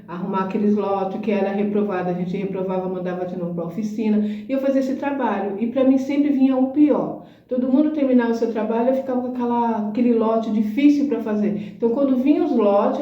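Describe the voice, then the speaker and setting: A middle-aged woman hosts a talk, sharing an emotional personal testimony and frequently tacking on small tag questions. Her voice sits at a medium pitch and sounds far from the microphone, with a roomy echo and a dull, lo-fi quality.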